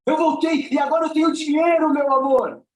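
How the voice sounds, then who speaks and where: A lovestruck, excitable man in a radio serial, desperate to be let in. His voice is pitched extremely high. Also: a little fast. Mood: desperate, excited. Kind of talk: audio drama acting.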